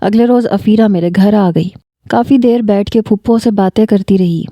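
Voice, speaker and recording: A woman telling a first-person story as a storybook narrator, in a steady, reflective reading style. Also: medium pitch, no echo.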